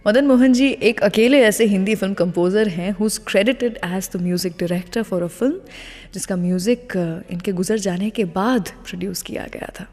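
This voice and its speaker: A woman's voice: medium pitch, a little slow, darkish tone, long reverb tail. A woman hosting a classic-music radio show, chatting and telling anecdotes between songs, slipping English phrases into Hindi. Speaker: radio host.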